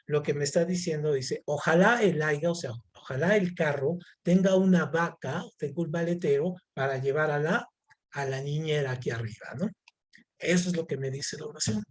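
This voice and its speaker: A man's voice: on the high side, a little mellow. A man teaching a class, asking students questions and explaining patiently with many fillers. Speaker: Spanish teacher. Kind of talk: online class lesson.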